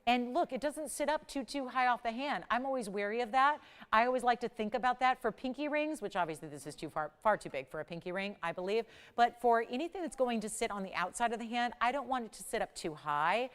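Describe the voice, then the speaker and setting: Smooth-voiced woman pitching jewelry live. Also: animated, fast. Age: 40s. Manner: enthusiastic, emphatic, repeats selling points. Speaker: jewelry shopping host. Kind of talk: live TV shopping sales pitch.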